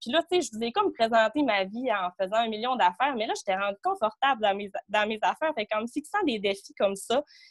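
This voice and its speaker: A woman with a fairly high pitch and lively intonation speaks at a fairly quick pace, her sound dry and close with no echo. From Quebec, Saguenay. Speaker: new coach. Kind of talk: group video call testimony.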